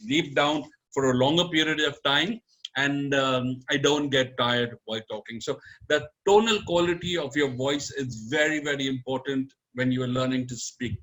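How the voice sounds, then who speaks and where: A man teaching a live online public speaking lesson, animated and coaxing, swinging his pitch up and down for emphasis as he talks straight to his audience.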